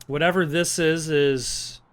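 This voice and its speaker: With game music in the background, a man provides casual let's play commentary peppered with dry, joking asides. His voice is a little high, his intonation fairly even, and his pace slow.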